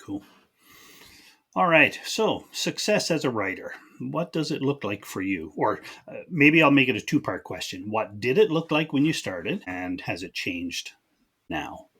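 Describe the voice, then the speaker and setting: A man's voice: mid-range voice, sing-song, unhurried, bright, forceful tone, husky. A man hosting a podcast, interviewing in a casual, conversational way.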